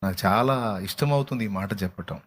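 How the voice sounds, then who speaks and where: A man preaching a sermon to a congregation, emphatic, questioning and urging his listeners, swinging between loud cries and low asides. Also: brisk, slight background noise.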